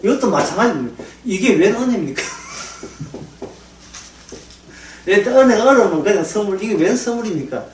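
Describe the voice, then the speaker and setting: Lively male pastor, casual lecture-sermon delivery, recorded off-mic in a roomy space. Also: high-pitched, moderate pace, pauses often, a little hiss or hum. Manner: lively, conversational, laughing often, acting out prayers. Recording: echoey room, voice from far off the mic.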